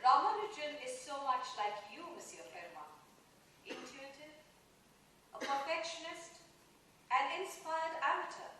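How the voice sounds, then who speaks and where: A woman's voice: high-pitched, lively intonation, measured pace, pauses often, bright, forceful tone, full character voice. A woman playing a stern yet caring Hindu goddess in a dramatised stage reading, formal and stately. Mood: pleading. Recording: distant mic in echoey hall, noisy.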